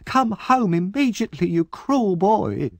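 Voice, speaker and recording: Man putting on a dramatic young woman, wailing way up high, all over the place. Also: sing-song, measured pace, darkish tone, dry recording, studio quality, heavily acted. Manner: theatrical, wailing.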